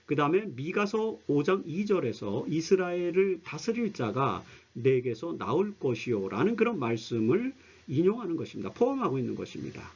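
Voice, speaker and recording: A man's voice: fairly high pitch, sing-song, normal speed, hardly any pauses, a little mellow, breathy edge, dull audio. A man presenting Bible study commentary as an explanatory lecture, with emphatic, didactic phrasing and sentence endings that trail off. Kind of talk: explanatory religious lecture with scripture readings.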